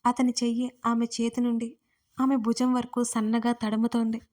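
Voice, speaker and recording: A woman, writer and narrator of her own audio romance stories, telling them in a steady, even manner. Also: fairly high pitch, normal speed.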